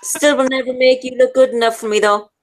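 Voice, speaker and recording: A woman's voice: high voice, steady tone, fairly quick. A woman from Ireland, chatting bluntly and sarcastically on a casual group stream. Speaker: stream co-host. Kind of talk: casual chat.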